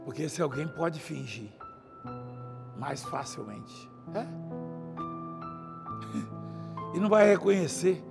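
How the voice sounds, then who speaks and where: A middle-aged man preaching a chatty, animated sermon in a large church, acting out scenes and laughing often. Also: fairly high pitch, slow, creaky, pauses often. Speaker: apostle, preacher. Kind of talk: conversational sermon. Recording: reverberant church hall with faint music.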